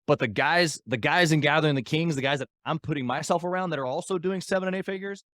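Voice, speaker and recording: A man's voice: a little high, quick pace, a bit bright, no echo. A man hosting a podcast interview, speaking in an enthusiastic, affirming, motivational way. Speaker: podcast host.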